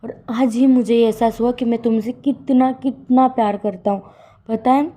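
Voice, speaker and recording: Woman voicing a devoted young man, gentle pleading tone, mellow voice, fan fiction story. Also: a little high, steady tone, normal speed, natural voice. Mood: earnest.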